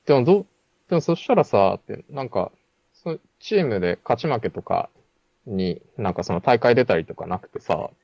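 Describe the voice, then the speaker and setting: A man's voice: mid-range voice, expressive, normal speed, creaky, a little mellow, no room sound. A man telling a personal story in casual chat, with many fillers and restarts. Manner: rambling storytelling with frequent fillers. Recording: dull lo-fi sound.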